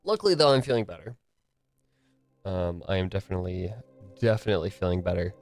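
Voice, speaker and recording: A young man with a fairly low voice talks loosely to his stream, slightly stuffy and nasal from a lingering cold. He rambles and restarts his sentences, his voice still a little tired from the morning. Faint music plays behind him. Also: animated, fast talker. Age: young adult. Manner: rambling, filler-heavy, restarts often. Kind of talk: casual solo chat to a live stream.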